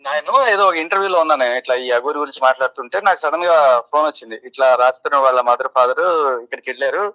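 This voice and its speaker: A man speaks very rapidly in a bright, forceful voice as a news interviewee. The sound is dull, band-limited phone audio. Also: medium pitch. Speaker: phone interviewee, supporter at a protest.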